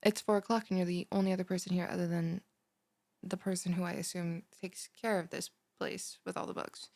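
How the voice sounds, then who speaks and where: A young woman acts out a bubbly, scatterbrained female student in an intimate audio roleplay. She rambles in valley-girl style, blunt and full of filler "likes", with creaky fry in her voice. The sound is very dry, with no room around it. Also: on the low side, level tone, brisk, a little mellow, no echo, close to an everyday voice. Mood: confused. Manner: rambling valley-girl chatter full of "like", sighs and breathy asides. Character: chatty, scatterbrained, over-caffeinated bimbo female college student, bubbly and blunt.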